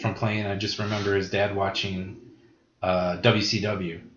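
There is audible room echo around a man with an American accent. He speaks at a fairly slow pace and a fairly low pitch. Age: 30s. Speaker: wrestling promoter and wrestler. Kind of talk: casual chat.

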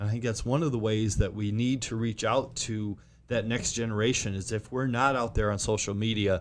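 Fairly quick talk from a man, medium-pitched, in an ordinary speaking voice. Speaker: podcast co-host. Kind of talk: casual chat.

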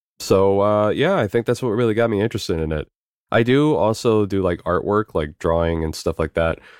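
A man talks at a fairly quick pace in a fairly low pitch. His pitch varies an ordinary amount, and the background is quiet. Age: 20s. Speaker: voice actor. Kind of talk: interview answers, casual. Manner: halting, with filler words.

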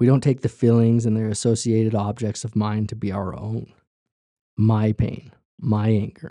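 In a normal speaking voice, a man with a fairly low pitch talks at a fairly slow pace with fairly even intonation. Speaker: meditation teacher. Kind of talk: guided meditation. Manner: soothing, reverent and instructional.

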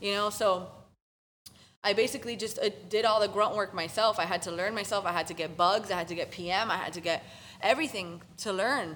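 Speaking fairly quickly with a Miami accent, a woman uses a medium pitch and ordinary pitch variation. The recording is very clean, with a silent background. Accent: Miami accent, noticeable. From Miami, Florida.

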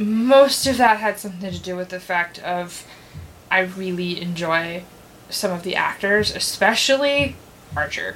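A woman at medium pitch and a fairly slow pace, with ordinary pitch variation, big swings in loudness and noticeable background noise. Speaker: tabletop gamer. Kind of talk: casual chat.

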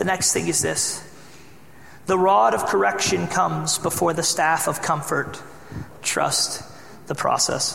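A man talks at a moderate pace with fairly high pitch. Noticeable background noise and audible room echo surround him. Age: 30s. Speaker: pastor. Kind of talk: sermon.

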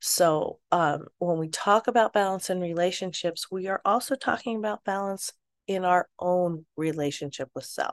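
A woman's normal speaking voice, moderate in pace with ordinary pitch variation, over a quiet background. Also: medium pitch for a woman. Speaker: relationship coach. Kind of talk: group coaching session. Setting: video call meetup.

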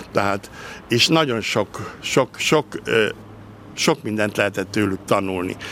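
Here a man speaks with a plain, everyday voice. He takes a fairly slow pace. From Nógrád County, Hungary. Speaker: school cook. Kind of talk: radio interview. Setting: outdoors in a school courtyard.

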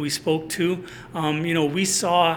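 A man talks with a fairly high pitch and fairly even intonation. Noticeable background noise runs underneath. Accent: western Canadian. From central Alberta, Canada. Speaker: news cameraman and producer. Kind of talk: casual chat.

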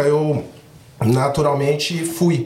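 With audible room echo and noticeable background noise, a man talks in fairly even intonation. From São Paulo city, Brazil. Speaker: pagode musician. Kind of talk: casual chat.

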